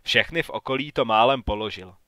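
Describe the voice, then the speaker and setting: A man's voice: mid-range voice, dry recording, clean studio sound, lightly acted. Man doing a polite small-town realtor. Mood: polite, probing. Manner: courteous, then sharp and questioning. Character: polite male small-town real estate agent.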